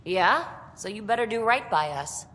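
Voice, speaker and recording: A woman's voice: medium pitch, expressive, normal speed, fairly bright tone, slight background noise, lightly acted. A woman playing an impulsive, guarded, wry young alien adventurer in a video game, with breezy, sardonic delivery. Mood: brisk. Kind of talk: video game dialogue acting.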